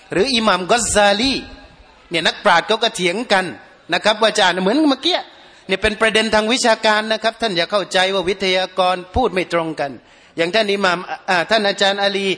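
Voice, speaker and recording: A man's voice: high voice, sharp tone. A man, preaching a sermon earnestly, repeating his points for emphasis. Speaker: Muslim preacher. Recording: long hall reverb.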